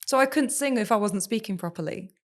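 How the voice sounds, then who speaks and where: A woman's voice: fairly high pitch, animated, fast talker. A woman who is a singer and former TV presenter, speaking as a podcast guest and giving voice-care tips with emphatic repetition. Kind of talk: podcast interview.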